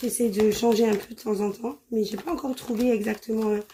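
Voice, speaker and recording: A woman talks in a fairly high pitch with monotone, flat intonation. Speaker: tarot reader. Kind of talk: tarot reading. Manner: fast; hesitant.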